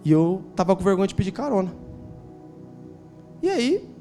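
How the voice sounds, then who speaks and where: A man's voice: high voice, sing-song, moderate pace, warm tone, soft background music. A man in his forties with a Brazilian Portuguese accent, preaching a sermon in a conversational, storytelling way, tossing in rhetorical questions and slangy asides. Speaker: pastor. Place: church.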